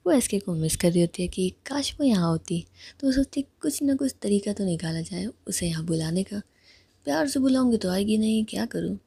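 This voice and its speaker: A woman tells a love story in a casual, chatty way and tosses in asides. Her voice is husky and mellow. The recording is close and dry. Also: medium pitch, dry recording. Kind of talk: casual spoken story narration.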